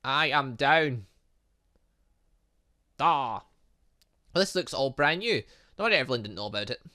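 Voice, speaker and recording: Bright-voiced, lively British man gaming. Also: medium pitch, measured pace. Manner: rambling, talks back to the game. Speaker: gaming channel host. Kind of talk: casual let's play commentary, reading game dialogue aloud.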